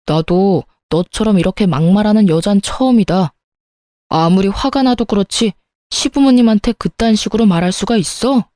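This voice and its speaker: A wavering young husband, as a woman narrator acts him out, pushing back with wounded indignation. The voice sounds mellow and warm. It is recorded close and dry. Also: medium pitch, normal speed, no room sound, close to an everyday voice. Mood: defensive. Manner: defensive, indignant. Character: indecisive defensive young husband.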